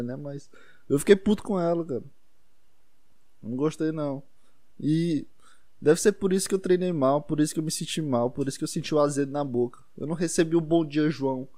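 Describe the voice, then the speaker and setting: A young man with a Brazilian accent talks in a loose, rambling monologue, full of swearing and self-deprecating asides. His voice is soft and warm rather than bright. It sounds dry and close, with no room around it. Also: a little high, no room sound. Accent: Brazilian Portuguese.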